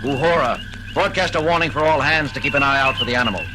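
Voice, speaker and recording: An actor playing a decisive starship captain, brisk and authoritative, in a 1970s children's audio drama. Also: male voice, medium pitch, close to an everyday voice, low-quality recording. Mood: commanding. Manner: brisk, authoritative, giving orders. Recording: 1970s record, loud music behind.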